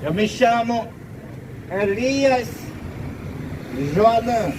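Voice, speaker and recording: A Brazilian man with a Brazilian Portuguese accent preaching a sermon in a slow, deliberate, emphatic way, recorded outdoors. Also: extremely high pitch. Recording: outdoor traffic noise behind.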